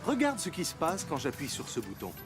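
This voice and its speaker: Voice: mid-range voice, wildly swooping pitch, brisk, over loud music. An actor voicing a polite, salesy male car salesman in a cartoon dub. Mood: courteous. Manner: salesy, courteous.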